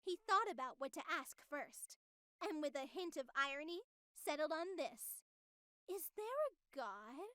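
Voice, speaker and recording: High-pitched, sinister, theatrical female AI. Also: expressive, a little slow, bright, forceful tone, dry recording, heavily acted. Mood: sly storytelling. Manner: theatrical, grandiose, politely threatening. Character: sinister female artificial superintelligence, devoted to Halloween, coolly menacing. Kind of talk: scripted visual novel voice acting.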